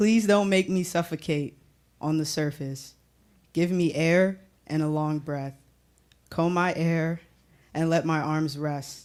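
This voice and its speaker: Speech comes at a very slow pace with a Nigerian accent, broken by long, frequent pauses. The recording is very clean, with a silent background. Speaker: poet. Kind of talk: poetry reading.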